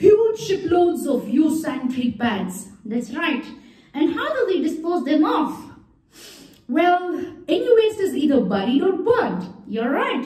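A woman's cartoonish character voice at a high pitch, very wide pitch swings, and a fairly slow pace, with slight echo. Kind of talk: public awareness skit. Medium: puppet.

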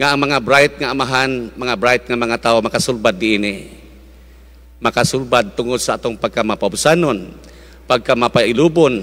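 This man speaks at a moderate pace and a medium pitch, with ordinary pitch variation. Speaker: priest. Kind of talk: Christmas Eve Mass homily; fervent preacher, exhorting the congregation. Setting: church with congregation. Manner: animated, fervent, leads call-and-response; warm, jokey, switches between Cebuano and English.

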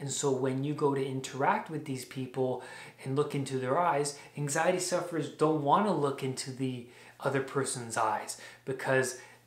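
There is audible room echo as a man talks at a moderate pace with fairly even intonation. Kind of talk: talking-head advice monologue. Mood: earnest, concerned. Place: home room.

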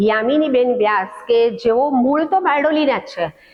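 Noticeable background noise fills the recording. Through it, a woman talks. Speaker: English professor. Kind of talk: interview statement.

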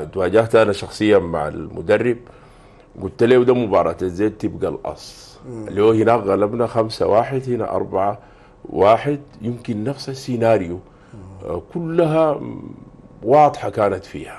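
Intonation from this man is lively. He speaks at a moderate pace. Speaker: guest, former football coach staff. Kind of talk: interview answer. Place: studio. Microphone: lapel.

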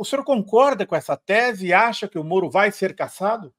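Against a quiet background, a man speaks at a moderate pace. His high pitch shows ordinary variation. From Brazil. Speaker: journalist; interviewer, journalist. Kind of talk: interview. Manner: halting. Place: home room. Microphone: video call.

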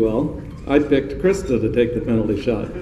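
Light background noise and audible room echo surround a man talking at a moderate pace with ordinary pitch variation. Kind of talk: wedding speech. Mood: warm, humorous, proud. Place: hall. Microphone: podium.

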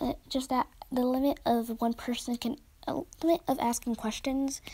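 A woman talks with a high pitch. Her pace is moderate. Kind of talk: casual talk to camera. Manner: stuttering, hesitant.

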